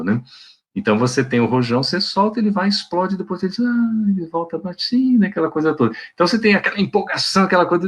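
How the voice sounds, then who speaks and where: A man's voice: medium pitch, husky. A man giving a devotional spiritist talk to an online audience in a colloquial preaching manner, often adding tag questions. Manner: warm, colloquial preaching with frequent "né?" tags. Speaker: spiritist lecturer. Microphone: video call.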